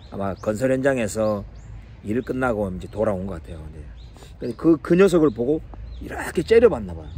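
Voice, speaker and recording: A man teaching on a psalm and telling a family story in an animated sermon style, chuckling now and then. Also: mid-range voice, a little hiss or hum. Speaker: Bible teacher.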